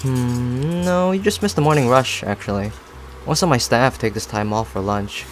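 A man playing a friendly, talkative cafe owner in a roleplay audio, speaking to the listener in a chatty, rambling, gently attentive way. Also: medium pitch, normal speed, a little hiss or hum, natural voice. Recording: soft music and rain behind. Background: music and rain sounds.

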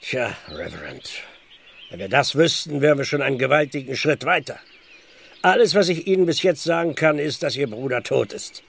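Old village constable, very creaky voice, weary, plain-spoken, grumbling, radio drama. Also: male voice, mid-range voice, animated, moderate pace. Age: older. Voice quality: gravelly. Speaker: actor in audio drama. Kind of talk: German radio play acting.

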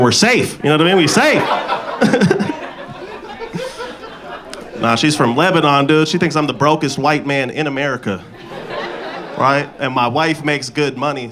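This man in his thirties does stand-up on a club stage, handheld mic in hand, telling loose, foul-mouthed stories in slang while the audience laughs. His mid-range voice moves at a moderate pace, broken by long pauses.

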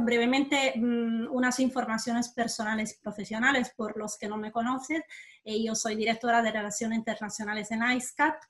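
A woman from Italy with an Italian accent, giving a polite, slightly halting webinar presentation. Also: fairly high pitch. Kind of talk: formal presentation.

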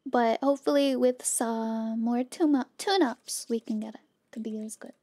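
High-voiced woman streaming a game. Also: steady tone, moderate pace, warm tone, no room sound, studio quality. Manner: playful, chatty, talks to viewers. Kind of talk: casual live gameplay commentary.

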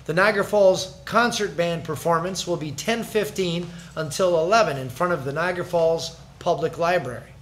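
High-voiced mayor chairing a meeting. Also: male voice. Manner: brisk, chatty, joking asides. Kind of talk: formal council meeting announcements. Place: large council chamber. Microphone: desk microphone.

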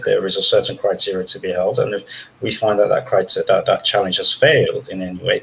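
Deep gravelly young man debating. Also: fairly bright tone, a little hiss or hum, low-quality recording. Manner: measured, methodical, argues point by point. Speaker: host. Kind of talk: casual debate on a video call. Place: small room indoors. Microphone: headset on a video call.

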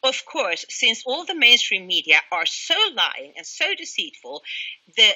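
A woman's voice: a little high, sing-song, measured pace, sharp tone, rough recording. A middle-aged woman with a Swedish accent, answering interview questions emphatically over a headset on a video call from a small room at home. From Sweden. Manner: emphatic, opinionated, with frequent restarts. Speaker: guest.

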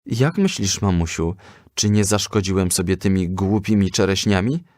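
A man's voice: low voice, normal speed, darkish tone, dry recording, lightly acted. A man voicing a young boy, a whiny, sulky and naive son in a children's story. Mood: whiny, worried.

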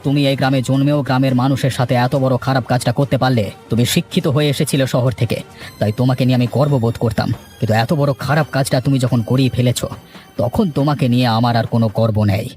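A man playing a stern, righteous village gentleman in a cartoon moral story, speaking with reassuring authority. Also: medium pitch, steady tone, fast talker, soft background music, natural voice. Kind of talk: Bengali moral cartoon dubbing.

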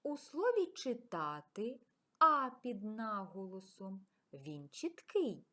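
A woman teacher records a video lesson for schoolchildren. She talks slowly and dictates example words with deliberate care. Her pitch moves a lot as she stresses the key sounds. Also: a bit bright. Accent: Ukrainian.

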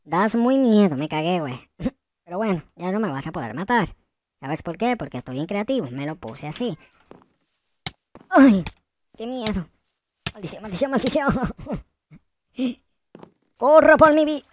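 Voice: medium pitch, sing-song, unhurried, pauses often. A gaming host giving theatrical, exclamatory commentary with roleplay and plenty of slang.

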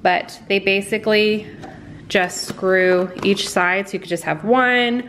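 A woman's voice: medium pitch, slow, a bit bright, a little hiss or hum. A woman casually talking through a bread recipe in her home kitchen, chatty and a little self-deprecating. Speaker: vlogger. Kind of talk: casual cooking walkthrough.

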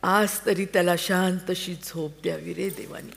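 A woman reading the part of an anxious, devoted wife and mother in a staged play reading, coaxing and pleading in a slow way. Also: lowish voice, fairly even intonation, gravelly, fairly bright tone. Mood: tender. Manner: pleading, coaxing, tender with a child.

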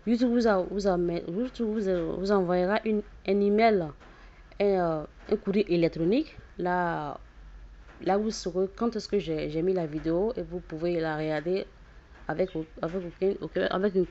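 Halting West African woman, dull lo-fi sound. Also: fairly low pitch, mellow. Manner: halting, repetitive, with frequent false starts. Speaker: YouTube channel host. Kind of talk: casual address to channel viewers. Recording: dull lo-fi voice recording.

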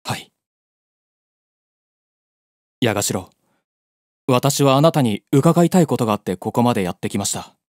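A man's voice: mid-range voice, lively intonation, unhurried, long pauses, darkish tone, dry recording, studio quality, close to an everyday voice. A man playing a determined white-wolf beastman in an audio drama, formal and earnest. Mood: respectful, solemn.

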